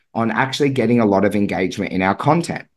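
A man speaks in an Australian accent with lively intonation. The background is quiet. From Australia (Sydney). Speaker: fitness business coach. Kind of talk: online training webinar.

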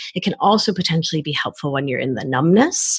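A woman's fairly low, somewhat breathy voice. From Argentina, then Brooklyn New York. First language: Spanish. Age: 40s. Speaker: nurse practitioner and life coach. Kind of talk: casual interview conversation. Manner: animated, laughs often.

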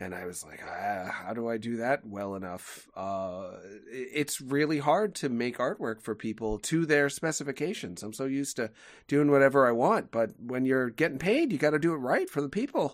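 A man with a plain, everyday voice speaks at medium pitch and a moderate pace, his intonation lively and his loudness swinging widely. The recording is very clean, with a silent background. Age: 40s. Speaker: podcast host and video game figure. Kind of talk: casual chat.

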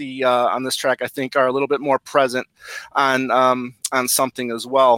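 A man's bright, sharp voice with an American accent at a moderate pace, in a dry, close sound with no echo. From Arizona. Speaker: podcast co-host. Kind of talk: casual panel discussion. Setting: video call.

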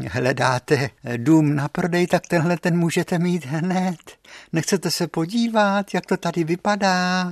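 A man puts on a shaky, high-pitched character voice. The background is quiet.

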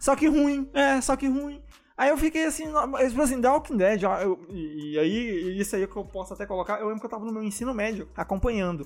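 A man speaks at an extremely high pitch at a fairly quick pace. His pitch swings very wide. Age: 20s. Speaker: podcaster. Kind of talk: casual chat.

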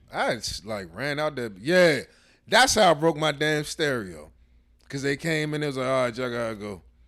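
Against a silent background in a very clean recording, a man talks fairly quickly with lively intonation at a fairly high pitch. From New York. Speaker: DJ and music producer. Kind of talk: casual chat.

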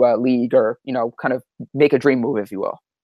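A man is speaking. He has a New Jersey accent. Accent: New Jersey American. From New Jersey, US. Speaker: football journalist. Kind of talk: casual podcast interview.

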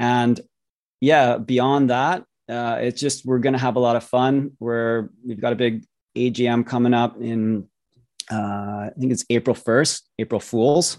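A normal speaking voice from a man, medium in pitch, fairly slow and fairly even in intonation, over a quiet background. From Alberta, Canada. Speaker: political party leader and former first responder. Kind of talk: casual interview. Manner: conversational, filler-heavy.

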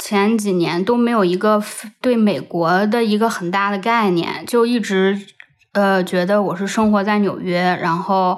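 Against audible room echo, a woman speaks fairly slowly at a medium pitch with fairly even intonation. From China. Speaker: fashion designer. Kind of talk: interview.

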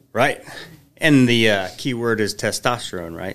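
An ordinary speaking voice from a man, at a moderate pace with ordinary pitch variation. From Columbus, Ohio. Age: 40s. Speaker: hormone specialist, Marine veteran. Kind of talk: podcast interview.

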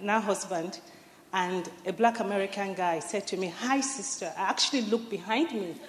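At a moderate pace with ordinary pitch variation, the speech comes through noticeable background noise. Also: woman. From Nigeria. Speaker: audience member. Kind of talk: audience question. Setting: stage with audience.

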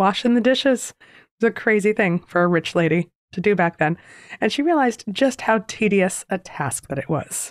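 In a very clean recording with a silent background and a dry, close sound with no echo, a woman with an unremarkable speaking voice talks at a moderate pace in an American accent, medium in pitch with lively intonation. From Philadelphia, US. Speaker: podcast guest host. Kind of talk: scripted storytelling. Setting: home closet.

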